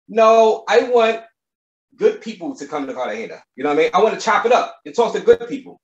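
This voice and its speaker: Speaking in an American accent, a man uses a high pitch and lively intonation at a fairly quick pace. Room echo is audible. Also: quiet background. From New York. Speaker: YouTuber, Colombia news channel. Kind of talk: interview. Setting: video call. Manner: casual, animated. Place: home room. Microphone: video call.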